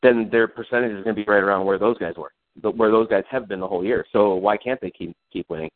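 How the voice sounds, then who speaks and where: A man's voice: on the low side, fast talker, no echo. A man co-hosting a casual sports podcast, rambling and self-deprecating and laughing as he talks. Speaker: podcast co-host. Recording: tinny phone-like, dry sound.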